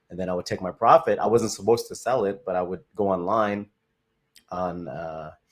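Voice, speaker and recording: A plain, everyday voice, a man's, fairly low in pitch, at a fairly quick pace with ordinary pitch variation and big swings in loudness, on a very clean recording with a silent background. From Canada. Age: 30s. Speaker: crypto YouTuber. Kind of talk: casual livestream talk.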